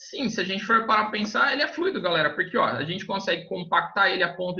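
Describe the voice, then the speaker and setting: Here a man talks at a very fast pace. His intonation is lively. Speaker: teacher. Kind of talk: online class. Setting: video call.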